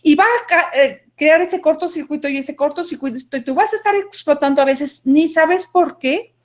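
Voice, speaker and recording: A woman's voice: sits high, normal speed. A woman giving an explanatory talk on a live video call. She explains through everyday analogies and keeps checking in with a questioning tag.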